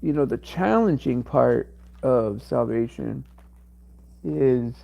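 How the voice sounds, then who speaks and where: A man talking on his own livestream, his voice strained and cracking from wear. He rambles in halting bits, full of fillers and restarts, with a dark, mellow tone into a home computer mic. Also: mid-range voice, animated, vocal fry, highs cut off. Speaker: livestream host. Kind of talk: casual livestream chat.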